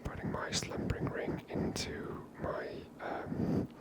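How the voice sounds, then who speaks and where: Whispering woman, ASMR game host. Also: slow pace. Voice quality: breathy whisper. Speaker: gaming host.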